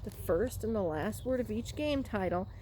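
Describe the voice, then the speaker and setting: A woman's voice: medium pitch, expressive, moderate pace, mellow, close to an everyday voice. A woman voicing an eager, curious storybook boy in a casual, earnest way. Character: eager, curious boy who loves games. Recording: clearly noisy room recording.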